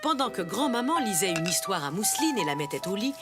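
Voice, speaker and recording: A woman playing a grandmother who reads a children's story aloud, with expressive, carefully articulated narration. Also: medium pitch, fast, lightly acted. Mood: storytelling. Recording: music behind the voice.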